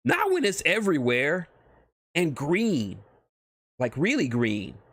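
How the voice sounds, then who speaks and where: A man's voice: on the high side, wildly swooping pitch, slow, a bit bright, voice pushed up, full character voice. A man voicing a blunt, complaining young male ninja with a griping, accusatory manner in a comic story reading.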